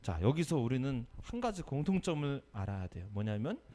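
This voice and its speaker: A male pastor giving a Sunday sermon, telling a story with lively energy and asking the congregation questions. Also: medium pitch, a little fast. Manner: animated storytelling, acting out quotes.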